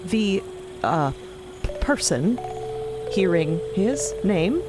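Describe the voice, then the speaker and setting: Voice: medium pitch, very animated, drawn-out words, heavy background noise. A narrator telling a scripted story theatrically, with conversational, wry asides.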